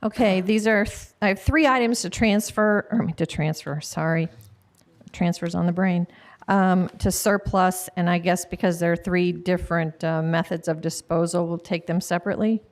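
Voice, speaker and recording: A woman's voice: lowish voice, fairly even intonation, normal speed. Hesitant American woman presenting at a meeting. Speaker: county staff member presenting items. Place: local government meeting room.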